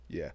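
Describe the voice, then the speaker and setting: A man portrays a timid, nervous young vampire dad for a romantic audio roleplay, soft-spoken and stammering, often nearly whispering. There's no room sound at all.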